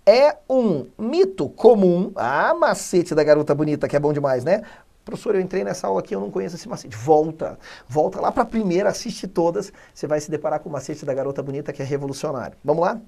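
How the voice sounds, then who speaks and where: A man from Brazil teaching an exam-prep English lesson, energetic and chatty, reading English slowly and then explaining fast. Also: on the high side, vocal fry.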